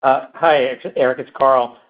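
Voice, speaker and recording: A male executive with a medium-pitched voice answers on a conference call. He talks haltingly, and the sound is slightly muffled. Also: fairly even intonation, slight background noise. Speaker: company executive.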